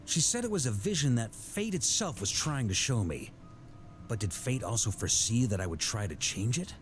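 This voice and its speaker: Man playing a jovial knight commander, hugely animated. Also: mid-range voice, normal speed, faint music behind, close to an everyday voice. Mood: resolute. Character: jovial, roguish middle-aged male knight grandmaster, worldly and warm-hearted. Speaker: game character giving voice lines. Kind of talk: scripted video game voice acting.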